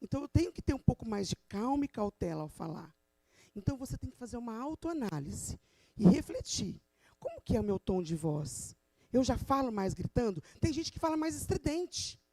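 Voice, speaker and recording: A woman with a Brazilian Portuguese accent speaks to a congregation in an emphatic, teacherly way. Her voice is hoarse and gravelly with a dark, mellow tone. The sound is dry and close. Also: very animated, moderate pace, no room sound. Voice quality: hoarse, low voice. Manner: emphatic, teacherly, addresses the audience. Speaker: teacher giving a talk in church. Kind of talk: church talk on communication.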